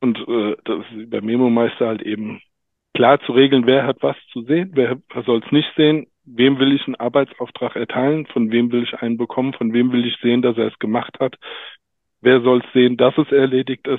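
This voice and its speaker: A man with a plain, everyday voice, medium in pitch, fairly even in intonation, at a moderate pace. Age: 40s. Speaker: master roofer, business owner. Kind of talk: interview.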